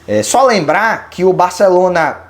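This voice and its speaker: A Brazilian-accented host talks through viewer questions in a relaxed, colloquial way. The delivery is opinionated, and the host reasons aloud as the argument builds, like an informal chat with the audience. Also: mid-range voice, unhurried. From Belém do Pará, Brazil. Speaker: channel host. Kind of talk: casual commentary answering viewer questions.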